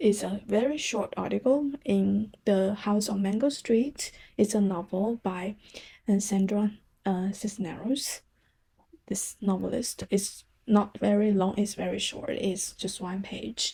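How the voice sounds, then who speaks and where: A woman with a Chinese accent, medium pitch, ordinary pitch variation, a dark, mellow tone, somewhat breathy delivery and a fairly slow pace. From China. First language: Chinese dialect. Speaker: college writing instructor. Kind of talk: lecture. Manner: halting, many fillers.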